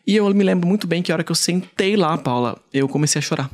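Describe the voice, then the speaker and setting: A man from Brazil, a podcast guest, casually telling a personal story in an animated way, repeating words. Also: sits high, quick pace. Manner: animated, frequent fillers and self-repeats.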